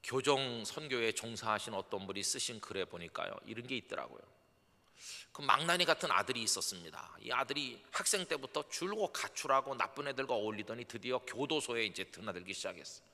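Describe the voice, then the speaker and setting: A middle-aged male pastor gives a dawn sermon, moving between soft storytelling and emphatic preaching. His voice is gravelly with a bright, forceful edge. The sound carries a long church-hall reverb. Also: mid-range voice, lively intonation, fairly quick. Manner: acts out quoted voices, swings from soft to emphatic. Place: church sanctuary.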